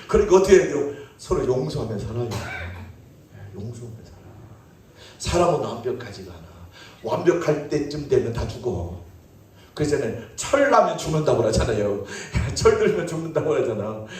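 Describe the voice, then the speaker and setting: Pastor guy preaching, voice jumps all over, big echoey church, mic kinda far. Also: mid-range voice. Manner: animated, playful, calls out to the congregation. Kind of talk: sermon. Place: church sanctuary.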